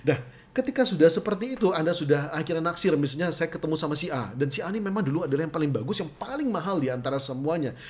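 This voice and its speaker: Guy teaching how to haggle, talks fast, kinda high voice, acts out both sides. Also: lively intonation, darkish tone. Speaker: negotiation trainer. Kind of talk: casual business lesson.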